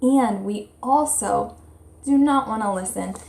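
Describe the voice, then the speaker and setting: A woman teacher reading a children's story aloud expressively and pausing to explain and ask questions in simple, child-directed language. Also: fairly high pitch, vocal fry, darkish tone. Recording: roomy, echoey indoor sound.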